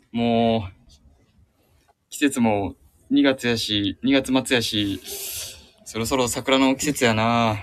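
A man's voice: fairly low pitch, smooth, no echo, studio quality. A man playing an easygoing young Kansai man in an improvised amateur radio drama, in a stagey, musing way. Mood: wistful musing.

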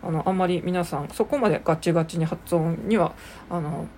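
A woman hosting an English-learning podcast, talking in an easygoing, chatty way full of fillers. Her voice sits a little low, and she slows down carefully on English phrases spoken. A faint hiss runs underneath the recording. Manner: relaxed, chatty, many fillers, slow on English words. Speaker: podcast host teaching English exam prep. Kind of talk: casual solo podcast lesson.

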